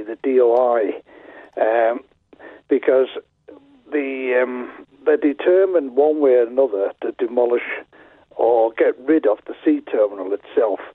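A man calling a radio phone-in over the telephone, talking casually in a halting, pondering way. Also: mid-range voice, no echo. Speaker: phone-in caller. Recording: narrow, muffled phone line.

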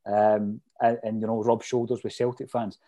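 Chatty mellow Scottish man with a Fife accent. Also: on the low side, little pitch movement, normal speed. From Fife, Scotland. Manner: chatty, anecdotal, detailed. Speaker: interview guest, lifelong football supporter. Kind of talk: casual reminiscing chat.

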